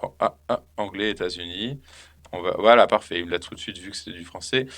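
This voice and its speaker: A man giving a casual, rambling software tutorial, thinking aloud with lots of fillers. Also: low voice, brisk, slight background noise. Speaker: software trainer. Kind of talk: casual screen-recorded tutorial.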